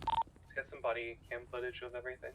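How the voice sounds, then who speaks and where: A man talking over a police radio, relaxed and briefing the others at length. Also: medium pitch, fast. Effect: heard over a police radio. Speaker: police officer in roleplay. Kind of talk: radio chatter in a roleplay game. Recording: tinny radio line with hiss.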